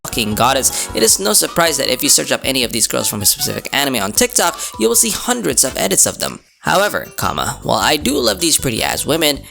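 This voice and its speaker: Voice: mid-range voice, wildly swooping pitch, fast talker, vocal fry, few pauses, bright, forceful tone, soft background music. A commentator giving a casual scripted video essay in a crude, slangy, jokey way, with frequent swearing; sex unclear from the voice. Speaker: anime and manga video commentator.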